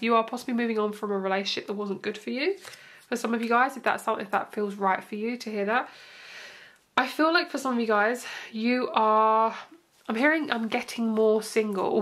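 A woman's voice: fairly high pitch, fairly bright tone. A young woman with a stuffed-up nose from hay fever, giving a chatty, reassuring tarot reading with lots of fillers. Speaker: tarot reader. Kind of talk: casual tarot reading to camera. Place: indoor room, table seen from above.

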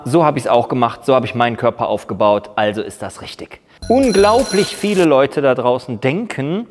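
A man in his forties, a fitness trainer, talking emphatically to camera in a large indoor gym. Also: fairly high pitch. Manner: emphatic, argumentative, lively gestures. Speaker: fitness YouTuber. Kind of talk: opinionated monologue to camera. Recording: long reverb in a big gym hall.

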